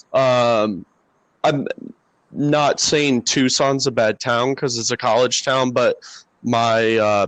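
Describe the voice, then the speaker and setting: A man's voice: medium pitch, a bit bright, no echo, rough recording. Young American man, dry close-sounding voice. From US Midwest. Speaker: podcast guest. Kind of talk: casual chat. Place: basement.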